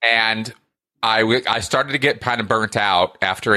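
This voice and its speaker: A man's medium-pitched voice with an American accent, a bright, sharp tone and a moderate pace. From California. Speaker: former cult member and author. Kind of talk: interview. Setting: video call.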